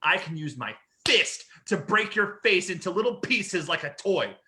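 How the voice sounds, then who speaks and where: Man acting a high, piercing brash old wrestler. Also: sing-song, moderate pace, pushed and bright, heavily acted. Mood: taunting, boastful. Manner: boastful, taunting. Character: brash crazy old war-veteran wrestler cutting trash-talk promo. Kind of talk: staged reading of wrestling promo.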